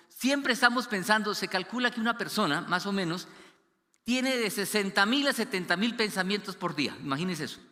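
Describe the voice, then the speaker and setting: A high, bright-toned man preaches a lively sermon. He acts out the voices he quotes and sinks low and soft for solemn moments. His voice rings with the long reverb of a church hall. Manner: animated, acts out quoted voices, drops low for serious stories. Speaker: pastor.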